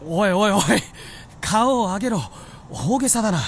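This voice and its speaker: A man playing a weary, gruff but kindly white fox spirit who speaks bluntly in a Japanese radio drama. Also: high voice, animated, moderate pace, heavily acted. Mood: concerned. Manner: gruff scolding, sighing, blunt speech.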